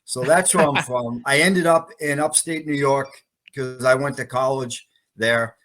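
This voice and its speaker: A man's voice: medium pitch, fairly even intonation, measured pace, a bit bright. A man in his fifties from Massachusetts, a sales professor telling stories cheerfully as an interview guest. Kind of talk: interview storytelling.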